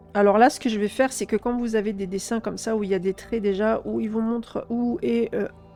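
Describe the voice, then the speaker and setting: A woman's fairly high voice at a fairly quick pace, fairly even in intonation, with music in the background. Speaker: coloring tutorial creator. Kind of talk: tutorial. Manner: casual, hesitant with many euh.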